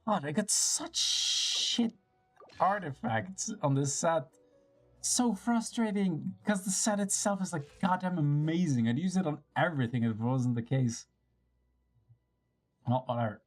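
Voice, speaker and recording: A deep-voiced woman thinks aloud as she streams gameplay, her casual commentary laced with swearing and playful exasperation. She talks a little slowly, and soft music plays in the background.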